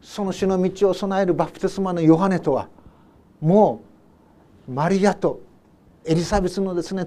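A male pastor giving a Sunday sermon, reading Bible verses and explaining them in an unhurried way with soft asides. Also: high voice. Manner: reads scripture verses aloud and then paraphrases them. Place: church service.

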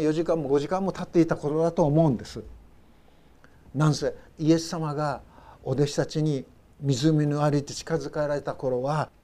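A male pastor preaching a Sunday sermon in a storytelling way, acting out the cries of the people he tells about and dropping to soft low asides at the ends of phrases.

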